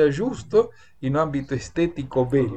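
A man with an Argentine accent, a fairly high pitch, ordinary pitch variation and a fairly slow pace. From Argentina. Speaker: economics professor. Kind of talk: interview.

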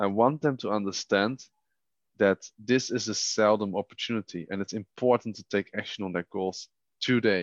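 A man speaks with a Dutch accent. His pitch sits fairly low. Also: ordinary pitch variation, moderate pace. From Netherlands. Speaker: sales closer. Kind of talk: interview. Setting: video call. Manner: measured persuasive cadence.

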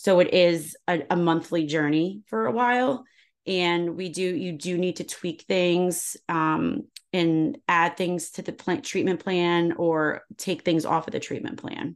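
Against a quiet background, a woman speaks with a fairly low pitch. Her intonation is lively and her pace fairly slow. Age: 40s. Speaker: health company co-founder. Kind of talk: interview. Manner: halting.

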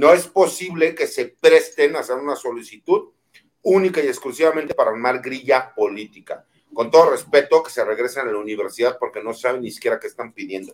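Talking fairly quickly, a man lets his volume rise and fall sharply. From Mexico, raised in Jalisco. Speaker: lawyer, security expert. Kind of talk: panel discussion.

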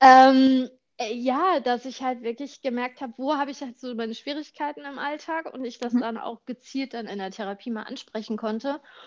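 A woman speaks at a moderate pace with a high pitch. Her pitch varies in an ordinary way while her loudness swings widely. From rural Germany. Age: 30s. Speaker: tattoo artist. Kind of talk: interview.

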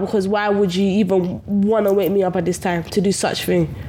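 A woman talks in an animated tone as noticeable background noise runs behind her. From Portugal. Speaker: podcast co-host. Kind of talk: casual chat. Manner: animated, laughing.

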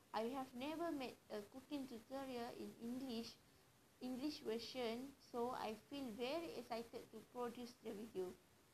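Noticeable background noise sits under the speech. The pace is moderate, and the pitch varies in an ordinary way. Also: woman. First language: not English. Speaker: university student. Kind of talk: prepared monologue for class assignment. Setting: recording at home. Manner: halting, with repeated words.

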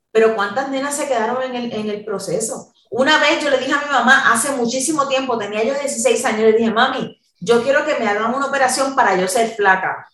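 Amid audible room echo, a woman talks at a fairly quick pace and high pitch, with hardly any pauses and ordinary pitch variation. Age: 40s. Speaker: researcher on weight stigma. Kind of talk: casual interview. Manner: animated.

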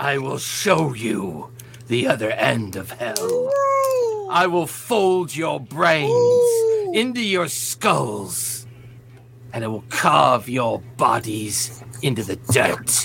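Clear background noise beneath a very slow, put-on character voice. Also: man, medium pitch for a man. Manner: menacing.

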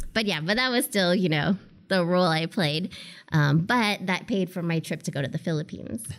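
Speaking at a moderate pace with a normal speaking voice, a woman with an American accent uses lively intonation at a fairly low pitch. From US Midwest, Omaha. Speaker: community organization director. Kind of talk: interview. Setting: studio.

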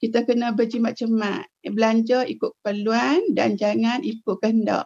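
With a dark, mellow tone and fairly high pitch, a woman talks at a moderate pace with fairly even intonation in a dry, close sound with no echo. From Kedah, Malaysia. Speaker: religious teacher and gold dealer. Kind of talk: podcast interview.

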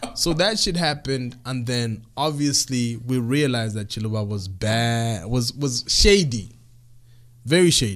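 A man speaks at a fairly slow pace and a medium pitch, with lively intonation. It is an ordinary speaking voice. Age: 30s. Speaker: radio presenter and podcast co-host. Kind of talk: casual chat.

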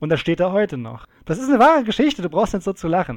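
A very fast man's voice at a high pitch, with very wide pitch swings. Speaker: podcast co-host. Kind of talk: casual chat. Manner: relaxed.

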